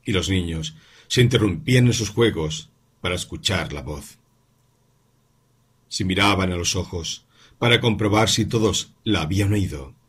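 Husky guy reading a story slow, low voice that moves around a lot. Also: expressive, fairly bright tone. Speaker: audiobook narrator. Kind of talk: scripted literary narration.

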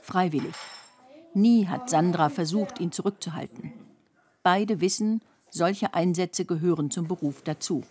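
A woman's voice: lowish voice, unhurried, mellow. A woman reading scripted narration for a television documentary report.

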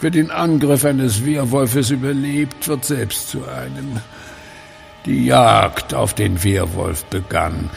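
An actor playing a sadistic werewolf clinic director in a horror audio drama, with a gravelly voice and a theatrical, mockingly polite manner. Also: male voice, fairly low pitch, full character voice. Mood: smug, menacing.

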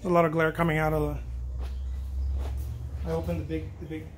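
A man's voice: on the high side, monotone, a little fast, slight background noise. A man in his thirties, a painter, talking casually to the camera while he paints in a large studio, rambling and restarting his phrases, picked up by a camera some way off. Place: large studio with an open big door. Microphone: camera at a distance. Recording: roomy studio echo, faint ambience.

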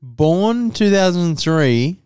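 A man's voice: high-pitched, expressive, takes it slowly, a little mellow, clear, resonant tone. A young man co-hosting a casual podcast on a living room couch, holding a mic, talking loosely in slang and trailing off mid-sentence. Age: young adult. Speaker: podcast co-host. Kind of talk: casual chat. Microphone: handheld mic.

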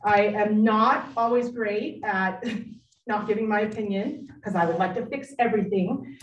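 A middle-aged woman giving a live workshop talk to parents, animated and lively, acting out friends she quotes. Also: mid-range voice, measured pace. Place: meeting room. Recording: echoey room, distant mic.

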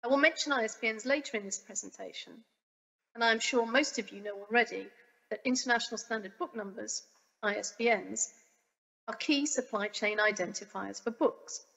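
A woman from the UK with a croaky voice from a cold, giving a formal pre-recorded conference presentation. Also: a little high, fairly bright tone, in a large hall, poor audio. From United Kingdom. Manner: formal and measured. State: croaky, getting over a cold. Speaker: guest speaker. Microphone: webcam video recording.

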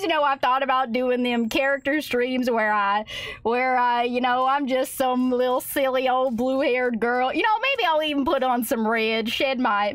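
A woman's voice: sits high, a bit bright, no room sound. A woman livestreaming a game in a put-on American cowboy accent, chatting playfully in a folksy, exaggerated drawl. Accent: put-on American cowboy Western. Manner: folksy, exaggerated cowgirl drawl with mild oaths like gosh dang. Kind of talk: playful in-character game stream chat, reading game text aloud.

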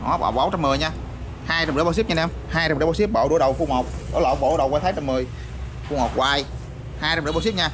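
A man showing off used motorbike parts in a rapid, repetitive sales patter full of fillers. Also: a little high. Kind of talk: casual product showcase sales patter. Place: parts shop or workshop. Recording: noisy backdrop with passing vehicles.

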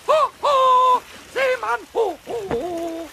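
A tiny, impish kobold in a children's radio play. The voice is squeaky and extremely high, swooping with excitement and tripping over repeated words. The old cassette recording has some hiss and noise. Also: male voice, drawn-out words, vocal fry, heavily acted. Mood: merry singsong. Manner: stammering, repeats words, speaks of himself by name. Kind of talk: German children's audio play acting. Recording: noisy old cassette transfer.

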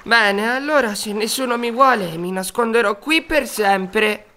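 Sad little duckling boy done by a lady, drags words out slowly, plaintive kids cartoon, music under it. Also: fairly high pitch, fairly bright tone. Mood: dejected. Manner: slow, plaintive. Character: sad, lonely young male duckling. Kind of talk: children's storybook cartoon acting.

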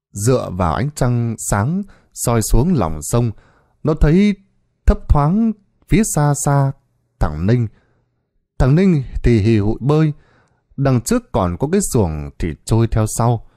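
A man narrating a scripted horror story in a dramatic, expressive way. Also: mid-range voice, no room sound, studio quality.

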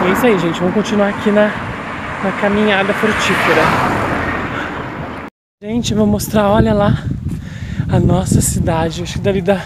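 High-voiced man vlogging outdoors. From Brazil. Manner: chatty, keeps addressing viewers as "gente". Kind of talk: casual walking vlog. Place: outdoors on a city street. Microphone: handheld phone camera while walking. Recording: noisy outdoor phone recording. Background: street traffic and outdoor ambience.

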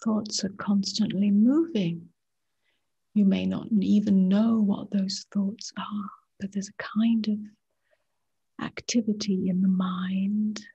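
Slow, breathy woman leading meditation. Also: mid-range voice, muffled recording. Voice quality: soft, breathy, often near a whisper. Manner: unhurried short phrases, hushed, calming. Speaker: meditation teacher. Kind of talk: guided meditation, slow and gentle with long pauses.

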